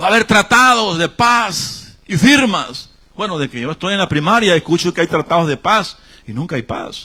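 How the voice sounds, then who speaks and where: A man with a high pitch and a bright, sharp tone projects a raised voice at a moderate pace, swinging very widely in pitch. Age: 60s. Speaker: pastor. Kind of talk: sermon.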